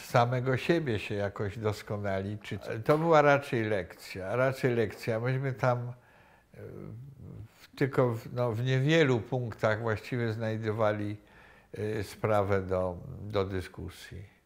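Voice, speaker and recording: An older man being interviewed, recalling the past slowly with many pauses and restarts, recorded on a lapel mic in a room. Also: on the low side. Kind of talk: reflective recollection. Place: indoor room with wooden cabinets.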